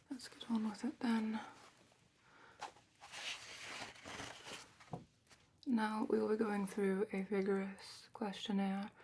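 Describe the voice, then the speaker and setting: A woman playing a weary, wry, slightly superior female official at a dragon academy, in a soft whispered ASMR roleplay. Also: mid-range voice, slight background noise, lightly acted. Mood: brisk, condescending. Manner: slow, dry, slightly superior, formal.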